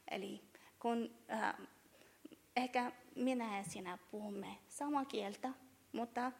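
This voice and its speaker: Very slowly, a woman with a fairly high pitch and a somewhat breathy voice speaks with an Arabic accent. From Syria. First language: Arabic (speaking Finnish). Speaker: accounting student. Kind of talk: panel conversation. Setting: chapel with audience. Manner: halting.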